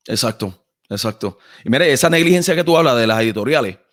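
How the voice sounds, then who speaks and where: A man's voice: mid-range voice, lively intonation, fast talker, a bit bright, no echo, studio quality. A Puerto Rican man hosting a podcast conversation, talking casually and with animation, repeating phrases and dropping frequent slang. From Puerto Rico. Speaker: podcast host and author.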